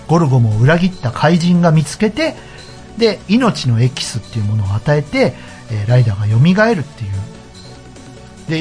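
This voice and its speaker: Higher-pitched man hosting over music. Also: a little mellow. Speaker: host of a solo radio-style show. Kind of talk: casual solo talk to listeners. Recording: background music under the voice.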